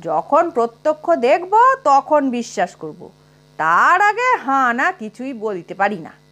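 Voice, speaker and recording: A woman's voice: sits high, very animated, slow pace, fairly bright tone, full character voice. A woman voicing a cautious middle-aged male lawyer who hedges and then concedes the point. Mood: conceding. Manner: hesitant, conceding.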